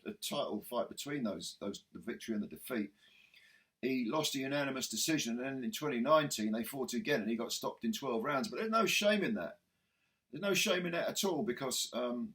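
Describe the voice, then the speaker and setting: A man with a hoarse voice he says he is losing, hosting a chatty boxing video with lots of fillers and restarts. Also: medium pitch, a bit bright. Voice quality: husky. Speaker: boxing channel host. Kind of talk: casual video commentary.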